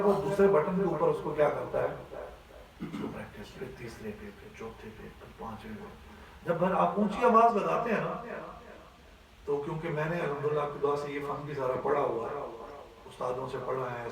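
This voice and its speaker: A man's voice: fairly high pitch, very echoey, recorded from a distance, a crowd in the background, low-quality recording. A man teaching a class on Quran recitation, explaining step by step and often checking that his students follow. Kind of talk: classroom voice lesson.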